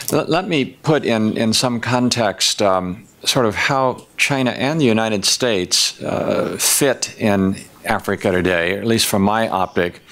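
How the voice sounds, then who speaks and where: Older man giving a measured panel talk. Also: fairly low pitch, fairly bright tone. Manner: measured, methodical, enumerating points. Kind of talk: prepared policy talk. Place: conference room with a panel table.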